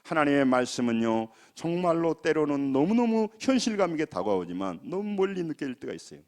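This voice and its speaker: Emphatic Jeolla-accented pastor preaching. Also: male voice, fairly high pitch, very animated, fairly quick, darkish tone. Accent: Jeolla Korean. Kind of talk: sermon.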